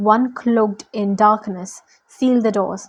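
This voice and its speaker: A woman's put-on character voice, gruff and growling, fairly high in pitch and fairly slow in pace. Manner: growling, gruff.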